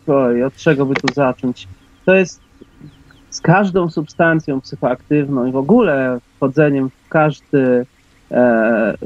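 A man speaking as a radio guest, explaining things informally in a measured, hesitant way with many pauses. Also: mid-range voice, darkish tone, no room sound. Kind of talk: informal explanatory interview talk. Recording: dull, dry call audio.

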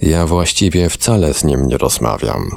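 A man reading the lines of a tired young woman under hypnosis, in slow, subdued, matter-of-fact answers. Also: a bass voice, animated, creaky, darkish tone, faint music behind, exaggerated voice. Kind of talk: reading a hypnosis session transcript aloud.

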